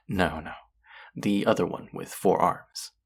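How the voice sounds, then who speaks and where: Casting: performer for a covetous alien art collector in sci-fi audio drama. Deep, husky, patronizing, falsely tender toward a prisoner, often near a whisper. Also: exaggerated voice. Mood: coaxing, possessive. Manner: condescending, cooing, slow and savoring, often dropping to whispers. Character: cruel, covetous alien collector-artist feigning kindness to a captive. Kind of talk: dramatic second-person audio roleplay monologue.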